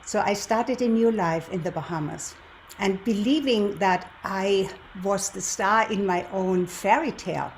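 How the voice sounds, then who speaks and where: A woman in her seventies from Germany, a native German speaker with a German accent, hosts a show, introducing herself and telling her story in a deliberate manner with rhetorical questions. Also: mid-range voice, a little hiss or hum, rough recording. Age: 70s. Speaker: show host, lifestyle and relationship coach. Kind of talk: presenter's introduction and personal storytelling to viewers.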